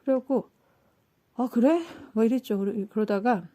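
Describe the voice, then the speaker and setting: A woman telling a personal story in a casual, animated way, acting out what people said. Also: a little high, moderate pace. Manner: animated, acts out quoted dialogue. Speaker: channel host telling a story.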